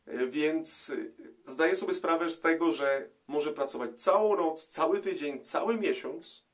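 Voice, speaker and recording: A middle-aged man, a priest, giving a reflective gospel commentary to camera in a small room, pausing often with hesitation sounds. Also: medium pitch. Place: small indoor room, plain wall.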